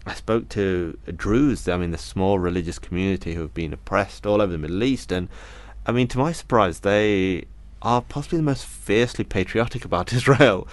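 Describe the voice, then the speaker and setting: A man's voice: fairly low pitch, a little fast, no echo. A man, an interview guest, thoughtfully recounting a personal experience in an earnest, detailed way. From Britain. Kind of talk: reflective personal account.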